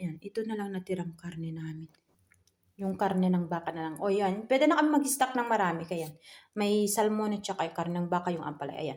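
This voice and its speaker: A woman speaks in a normal speaking voice at a medium pitch. Her intonation is lively and her pace fairly quick. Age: middle-aged. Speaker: vlogger. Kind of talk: casual vlog narration. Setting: at home.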